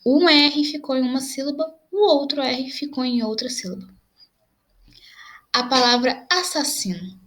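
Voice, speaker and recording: A young adult woman teacher with a Brazilian Portuguese accent, patiently explaining grammar in a video lesson and slowly spelling out examples. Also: sits high, fairly bright tone.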